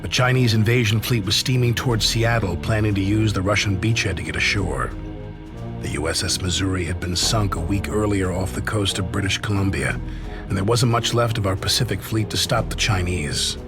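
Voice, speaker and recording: An actor narrating as a soldier looking back on the war, measured and reflective. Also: male voice, on the low side, music in the background, close to an everyday voice. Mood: somber. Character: male soldier recalling the war. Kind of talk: scripted game narration.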